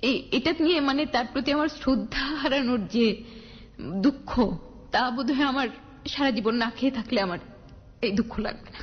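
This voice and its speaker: A woman with a fairly high voice recounts her own life story in an earnest, bitter way, as a guest on a radio talk show. Her voice comes through a dull, muffled broadcast with a long reverb. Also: normal speed, pauses often.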